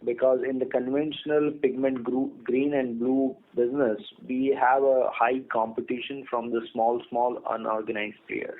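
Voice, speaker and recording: A man's voice: medium pitch, flat delivery, normal speed, few pauses. A man with an Indian accent, a company executive methodically explaining answers on an earnings call. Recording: tinny narrowband phone line.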